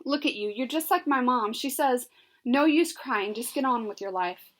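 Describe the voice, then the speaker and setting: A woman's voice: expressive, a bit bright. Woman doing a whiny, dramatic teenage girl. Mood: apologetic, scheming. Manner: high, fast, complaining outbursts.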